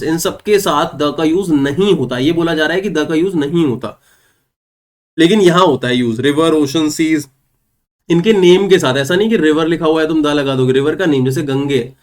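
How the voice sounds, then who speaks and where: Teaching English grammar to exam candidates online, a young man speaks in a voice pitched a little above the usual male range. He reads the example sentences in English slowly and distinctly. His method is to walk through each example in steps, raising questions and then answering them on his own.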